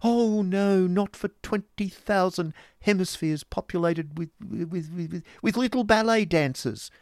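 A man voicing a foppish, excitable husband with theatrical, gushing, affected speech in an audiobook story. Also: high-pitched, a little slow, gravelly, no echo, clean studio sound, voice pushed up. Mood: dramatic.

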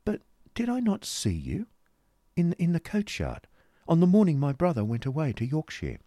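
A man voicing a gentle young Victorian woman with a courteous, tentative manner. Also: on the high side, wildly swooping pitch, normal speed, no room sound, studio quality, pitched above the performer's own voice. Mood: curious.

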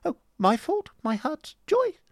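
Storybook dandy husband: very high pitch, swooping delivery, affected, gushing, excitable. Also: male voice, slow, no room sound, studio quality, full character voice. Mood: wounded, gushing. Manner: theatrical, swooning, affected speech.

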